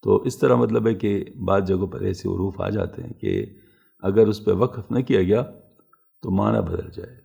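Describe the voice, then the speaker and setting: A man's voice: on the low side, animated, creaky, dark tone, slightly rough. A man giving a patient, methodical religious lesson, explaining step by step with everyday examples. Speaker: religious teacher.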